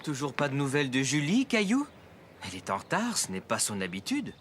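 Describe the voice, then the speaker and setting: A man playing a gentle, easygoing young father in a French children's cartoon dub. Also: mid-range voice, wildly swooping pitch, brisk, soft background music. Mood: concerned.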